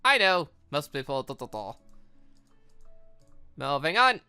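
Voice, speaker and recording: A gaming host talks through a visual novel in an animated, exclamatory way. The voice is bright and swings widely in pitch, sitting in a middle register. Music plays behind the commentary. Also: measured pace, clean tone. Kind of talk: let's play commentary, reading visual novel dialogue aloud.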